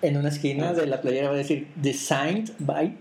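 A man's voice: fairly high pitch, steady tone, moderate pace, darkish tone, slight background noise. Teasing man hosting a podcast. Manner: teasing, playful, restarts a lot. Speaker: podcast host. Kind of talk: casual joking chat.

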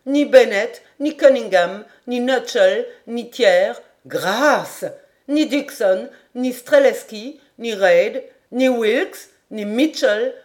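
A woman voicing an excitable, boastful male geographer who fires off names and protests loudly, in an audiobook reading. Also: on the high side. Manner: rapid-fire, indignant exclamations.

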